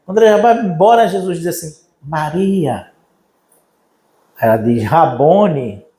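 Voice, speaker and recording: A Brazilian pastor preaches with a fairly high-pitched voice, lively and animated as he acts out the voices of people in his story. His voice rings through a roomy, echoey church sanctuary. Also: quick pace. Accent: Brazilian Portuguese. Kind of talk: sermon.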